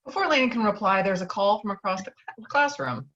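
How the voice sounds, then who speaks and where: A woman's voice: medium pitch, expressive, a little fast, fairly bright tone. A woman narrating stage directions from a screenplay in a table read. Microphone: virtual table read over video call. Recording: dull lo-fi video call audio.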